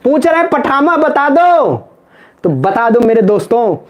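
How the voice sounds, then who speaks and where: A man's voice: very high-pitched, sing-song, a little slow, dull audio. A man teaching Sanskrit in a live online exam-prep class, chanting word forms in a sing-song rhythm and joking with viewers in the chat. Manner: playful, banters with viewers in chat.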